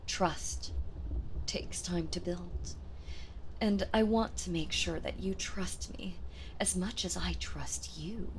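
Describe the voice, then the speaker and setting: Woman playing a slow, gentle villainess in whispered role-play. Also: fairly low pitch, rough recording. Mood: coaxing, patient. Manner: soft-spoken, soothing, unhurried, often dropping into whisper.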